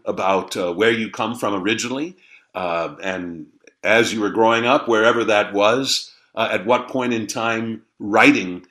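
A man hosting a morning radio interview show, introducing his guest in a measured, formal way with frequent "uh" pauses. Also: lowish voice, fairly bright tone. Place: radio studio.

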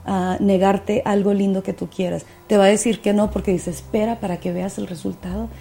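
Gravelly-voiced woman giving fervent testimony. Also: medium pitch, flat delivery, brisk, mellow, a little hiss or hum. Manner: fervent, preacher-like, with many fillers. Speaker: podcast guest, singer-songwriter and speaker. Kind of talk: faith testimony in conversation.

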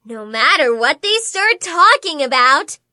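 A playful young cartoon dragon voice, high and very animated. It answers like a children's voice assistant, deliberate and unhurried, with a bright edge. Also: female voice, no room sound, studio quality, full character voice. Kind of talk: voice assistant character replies for children.

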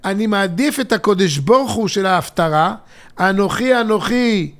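A middle-aged man co-hosting a podcast as a father, teaching religious texts in an expressive way that swings from emphatic to hushed and intimate. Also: high-pitched.

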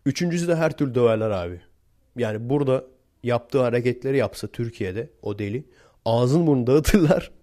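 A man's voice: mid-range voice, animated, brisk, warm tone. A young man from Turkey talking blunt and slangy to his viewers, chuckling between points as he tells stories. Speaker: vlogger. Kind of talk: casual storytelling monologue to viewers.

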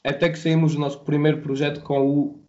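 A man from Belgium, a native French speaker, talking in Portuguese with a French accent as a music producer on a radio interview, with halting starts and acted-out quotes. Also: fairly high pitch, little pitch movement, darkish tone, muffled recording. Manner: halting, restarts words, acts out quoted dialogue.

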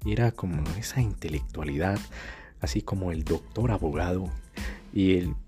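A Colombian man talking casually in a storytelling monologue, full of crude slang, swinging between loud bursts and muttering. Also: low-pitched, moderate pace, soft background music. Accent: Colombian Spanish. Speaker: vlogger.

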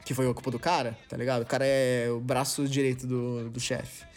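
A man in his twenties, from Brazil, hosting a podcast and telling a story in a slangy, animated way, acting out dialogue with lots of restarts. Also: mid-range voice, fairly quick. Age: 20s. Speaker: podcast host. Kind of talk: casual storytelling monologue.

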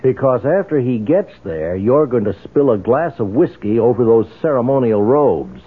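An actor playing a determined, vengeful man in a radio drama, insistent and persuasive, with a husky voice. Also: medium pitch, sing-song, normal speed, natural voice. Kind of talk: 1970s radio drama acting. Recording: narrow, phone-like old radio sound.

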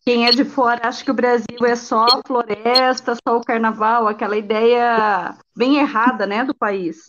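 A woman's voice: a little high, steady tone, measured pace, a bit bright, lo-fi sound. A woman interviewing children casually, with an exclamatory, encouraging manner.

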